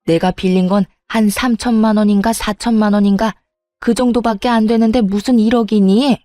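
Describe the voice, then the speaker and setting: A woman's voice: medium pitch, fairly even intonation, brisk, dark tone, no echo, natural voice. A woman doing a cold, scolding mother-in-law. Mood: dismissive. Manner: dismissive, scolding.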